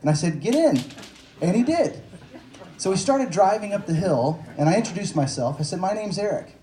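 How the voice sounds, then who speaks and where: A man's voice: sits high, lively intonation, normal speed, warm tone. A man in his forties from Texas, an author telling self-deprecating stories to an audience at a bookstore event, with fillers and jokes. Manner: self-deprecating, joking, conversational with many fillers. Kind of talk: storytelling talk at a book event. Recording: echoey room, faint noise.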